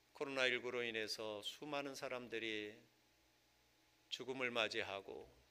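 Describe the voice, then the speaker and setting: A male pastor preaching a Sunday sermon in church, rising to loud impassioned stretches and falling to soft, hushed passages. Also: mid-range voice, clear, resonant tone. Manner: swells to loud impassioned preaching, then drops to soft near-whispers. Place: church sanctuary.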